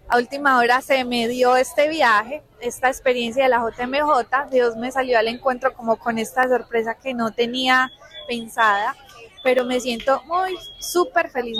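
A woman with a slightly high voice reports live from the field. She speaks conversationally, with frequent fillers and restarts. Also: a bit bright.

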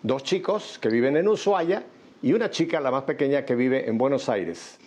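A man's voice: mid-range voice, animated, moderate pace, darkish tone. An older man hosting a Spanish-language radio interview, chatty and jovial. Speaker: radio host. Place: studio in Miami.

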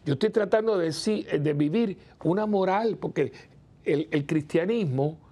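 A man's voice: high voice, unhurried, dark tone. A man, a Catholic priest, preaching in a chatty way, often asking "¿no?" of his listeners and acting out the people he quotes. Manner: chatty, asks the listeners rhetorical "¿no?" questions. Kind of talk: conversational preaching talk.

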